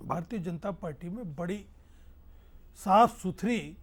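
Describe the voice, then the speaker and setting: Man, high-pitched, political panelist, forceful debate. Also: slow.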